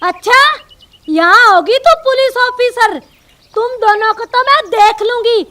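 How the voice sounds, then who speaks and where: A woman's voice: very high-pitched, a little slow, pushed and bright, exaggerated voice. A woman playing a bossy mother-in-law who taunts and threatens in a comedy telefilm. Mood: scolding. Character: bossy scolding middle-aged mother-in-law.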